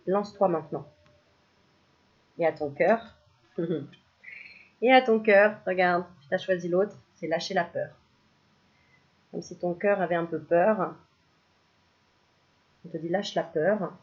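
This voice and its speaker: Femme enjouée qui tire les cartes. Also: female voice, on the low side, measured pace, pauses often, a little mellow, muffled recording. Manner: chatty, playful, laughs often, bursts into mock singing. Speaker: spiritual card reader. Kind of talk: casual card-reading video.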